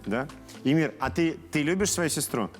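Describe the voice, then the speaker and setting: A man's voice: a little high, animated, normal speed, faint music behind. A man hosting a children's TV show in a chatty, encouraging, conversational way with children and parents. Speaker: host of a children's TV quiz show.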